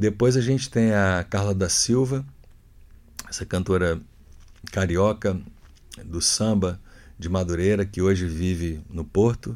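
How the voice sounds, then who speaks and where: A man with a fairly low voice speaks at a fairly slow pace with ordinary pitch variation, leaving long, frequent pauses. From Brazil, Brasília. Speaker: singer-songwriter. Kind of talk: interview. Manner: hesitant, repeats words.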